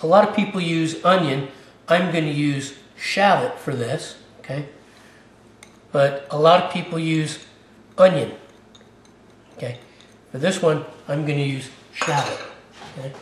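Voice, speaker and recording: A man hosting his own cooking channel and walking through a recipe in a casual, chatty way, often checking in with "okay?". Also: a little high. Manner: chatty, keeps tagging lines with "okay?". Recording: echoey room, mic a bit far off.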